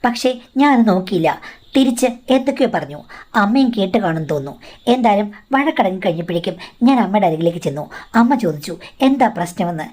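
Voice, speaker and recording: A woman's voice: mid-range voice, animated, quick pace, a little mellow. A woman narrating a first-person life story in a conversational, confiding way.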